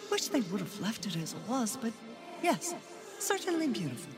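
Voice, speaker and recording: Dreamy female inner voice, wistful, high and lilting, fragmentary musing, sci-fi audio drama. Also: very animated, moderate pace, faint music behind. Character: dreamy, wistful inner voice of a woman's former self.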